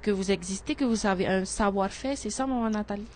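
A woman's voice: mid-range voice, fairly quick, slight background noise. A woman hosting a radio studio interview, asking follow-up questions. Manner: asks follow-up questions, short acknowledgements. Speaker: radio host.

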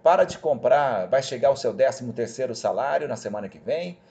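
A man talking casually and persuasively to viewers over a screen recording, chatty and animated. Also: medium pitch, a little fast. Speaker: job placement agency host.

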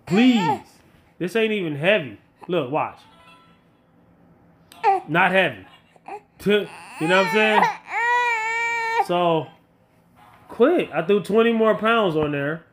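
A man in his late thirties talking casually to viewers as a fitness vlogger, blunt, emphatic and colloquial, often repeating himself to make a point. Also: on the high side. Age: late 30s. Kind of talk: casual motivational talk to viewers.

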